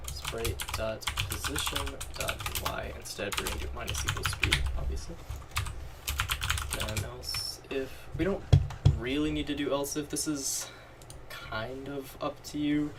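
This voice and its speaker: The man's voice is mid-range and slightly hoarse, with fairly even intonation and a somewhat slow delivery as he hosts a coding walkthrough recorded from his screen. He thinks aloud casually and corrects himself mid-typing. Captured on a distant mic, the track is very noisy, full of loud keyboard clatter and mouse clicks.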